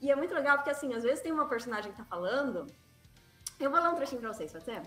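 A woman's voice: high-pitched, lively intonation, racing, fairly bright tone, roomy sound, faint music behind. A woman writer talking in a casual panel chat, eagerly explaining things and laughing as she talks. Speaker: guest writer.

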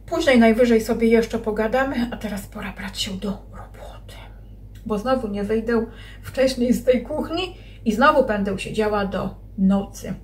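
Woman, 30s, mother, family vlogger, casual chat, rambling, talks to viewers, slightly high voice. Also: normal speed, a little hiss or hum. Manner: chatty, rambling, addresses viewers directly.

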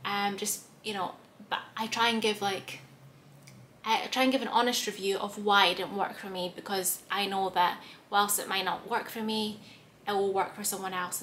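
A young woman with a slightly hoarse voice, chatting to camera as a book vlogger in a small room, rambling with lots of fillers. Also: mid-range voice, fairly bright tone, a little hiss or hum. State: slightly hoarse, clearing throat. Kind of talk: casual chat to camera. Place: small room with bookshelves, indoors.

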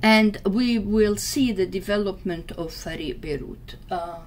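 A woman in her sixties, from Syria and raised in Lebanon, explaining her community work in an interview with many pauses and fillers. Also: medium pitch, slight background noise. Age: 60s. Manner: earnest, searching for words with many fillers. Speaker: guest, community organizer.

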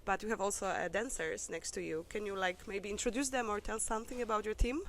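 A woman's voice: mid-range voice, steady tone, fast talker, slight background noise. A woman from Poland with a Polish accent, interviewing a guest in a chatty, giggly way with rambling questions. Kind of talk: casual interview.

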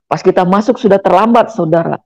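A woman's voice: on the low side, fast talker, darkish tone, no echo, lo-fi sound. A middle-aged woman from Indonesia gives an earnest personal testimony in church and keeps addressing her listeners directly. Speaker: guest giving a testimony.

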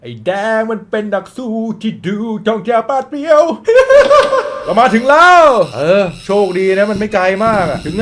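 High-voiced man doing playful game commentary. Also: a bit bright, a little hiss or hum. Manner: jokey, crude, reads out in-game dialogue, yelps when startled. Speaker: gaming YouTuber.

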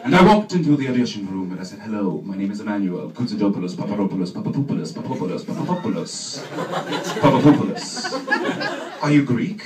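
A man's voice: fairly low pitch, lively intonation, quick pace, a crowd in the background, close to an everyday voice. A man voicing a grandiose, plummy English actor who speaks theatrically. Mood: pompous. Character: pompous posh English male actor. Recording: echoey room, distant mic, noisy.

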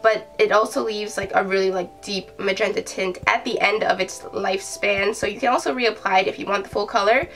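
A woman's voice: medium pitch, fairly even intonation, a little fast, vocal fry, hardly any pauses, fairly bright tone. Chatty young woman, nasal from a cold. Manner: chatty, enthusiastic, many fillers. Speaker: beauty vlogger. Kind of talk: casual product review. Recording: voice from a distance with faint music.

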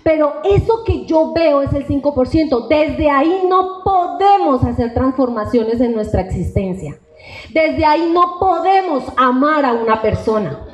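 A woman psychologist with a Colombian accent giving a lecture to teachers in an expressive way, acting out the voices she quotes. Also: high-pitched, unhurried, few pauses. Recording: roomy, dull hall sound.

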